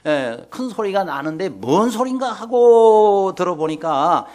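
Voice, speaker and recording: A man's voice: high voice, unhurried. A male pastor preaching a sermon in a church, telling stories and speaking directly to his congregation. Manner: animated storytelling, addresses the congregation directly. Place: church sanctuary.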